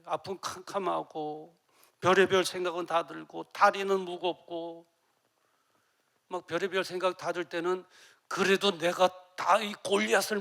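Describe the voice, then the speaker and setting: Middle-aged male pastor preaching, goes soft then loud and tearful, raspy fry in the voice. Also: high-pitched. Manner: emotional, swings from soft to loud; acts out tearful prayers. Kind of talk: sermon.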